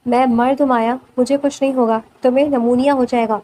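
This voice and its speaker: A woman's voice: high-pitched, steady tone, warm tone, a little hiss or hum, lightly acted. A woman voicing a stern, protective young man who speaks in curt, commanding lines. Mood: scolding.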